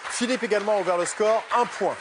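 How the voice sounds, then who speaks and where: Man, TV game show host, fairly high voice, quiz presenting, audience behind. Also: quick pace, a crowd in the background, background noise. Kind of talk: TV quiz presenting, announcing rules and scores. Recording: studio audience and music behind voice.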